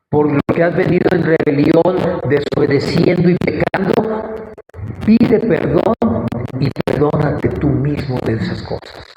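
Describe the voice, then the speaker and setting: A man preaching a sermon and leading prayer, fervent and unhurried, with long pauses. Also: on the high side, dark tone. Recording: echoey hall with faint noise.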